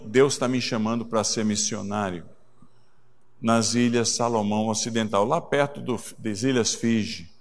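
A man preaching a sermon, telling a story and growing emotional, his voice rising when he is moved. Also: mid-range voice. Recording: long hall reverb.

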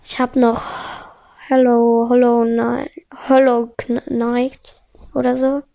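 Woman, let's play commentary, headset mic, excitable, narrates every move, slightly high voice. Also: slow pace, gravelly, highs cut off. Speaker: gamer.

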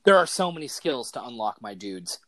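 A man hosting a casual gaming podcast, talking excitedly and enthusiastically in loose slang. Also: medium pitch, fairly quick, no room sound. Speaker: podcast host.

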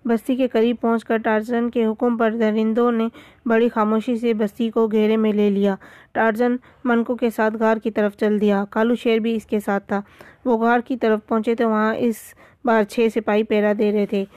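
A woman reads a children's story aloud in a steady, even manner with small slips. Her voice is slightly high and keeps to a narrow range. The recording is dry and close. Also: no echo.

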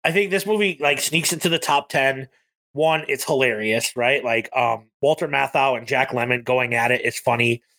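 A man's voice: medium pitch, normal speed, pushed and bright. A man co-hosting a podcast, chatting casually about movies and rambling with lots of ums and likes. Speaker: podcast co-host.

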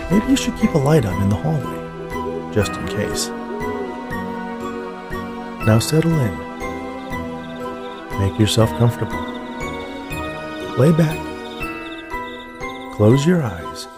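A man's voice: mid-range voice, very animated, takes it slowly, pauses often, over loud music. A man hosting his fiction podcast, reading scripted introductions and stories in an audiobook style. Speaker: podcast host, writer and narrator.

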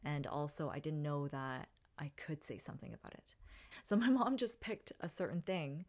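Low-pitched woman in her thirties, solo podcast host, reflective and unhurried, talks with many ums and restarts. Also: lively intonation, darkish tone.

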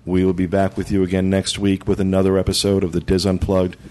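A male podcast host with a very low voice, talking in an easygoing, chatty way. He restarts his sentences now and then as he reads out voicemails. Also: fast. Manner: relaxed, chatty, stumbling restarts. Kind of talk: casual podcast chat.

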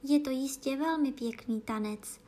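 Woman voicing a little girl, polite, unsure, raised pitch, storybook. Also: mellow, a little hiss or hum, close to an everyday voice.

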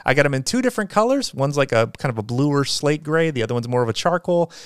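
A man's voice: fairly high pitch, expressive, fast, clean tone, no room sound, clean studio sound. A man hosting a casual solo podcast, talking in an upbeat, rambling way with lots of fillers and restarts. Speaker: podcast host.

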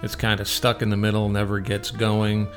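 A man's voice: fairly low pitch, completely flat delivery, moderate pace, faint music behind. A man hosting a radio show, giving casual, opinionated film reviews in a conversational way.

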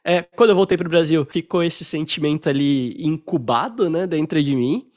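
A young Brazilian man with a Brazilian Portuguese accent, a podcast guest telling his story in casual interview chat over a video call, relaxed and full of fillers. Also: fairly high pitch, moderate pace.

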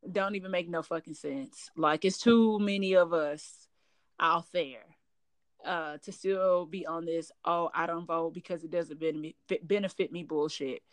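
A woman's voice: fairly low pitch, fairly even intonation, unhurried, no room sound. A woman with an African American St. Louis accent co-hosting a casual podcast, blunt and slangy, swearing freely. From St. Louis, Missouri, US. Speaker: podcast co-host.

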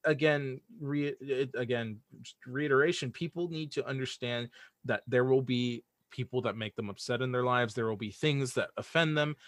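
A man's voice: medium pitch, moderate pace, no room sound, studio quality. A man speaking as a podcast guest in casual, opinionated conversation, earnest and emphatic, often repeating his points. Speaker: podcast guest, audio drama creator.

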